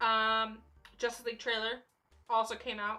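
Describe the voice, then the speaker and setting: A woman speaks with music in the background. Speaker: YouTuber covering comic and film news. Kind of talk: casual vlog commentary.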